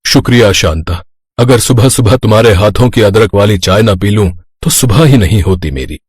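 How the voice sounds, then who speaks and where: A man's voice: on the low side, lively intonation, moderate pace, husky, no echo, studio quality. A man voicing a kindly, worried elderly rich father in a cartoon story, affectionate and fretful. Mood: fond, worried.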